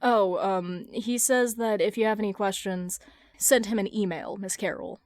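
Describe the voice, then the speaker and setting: A woman's voice: medium pitch, steady tone, normal speed, a little mellow, no echo, natural voice. A woman doing a timid, stammering young assistant. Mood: hesitant. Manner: hesitant, stammering. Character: starstruck, flustered young female assistant, timid and eager.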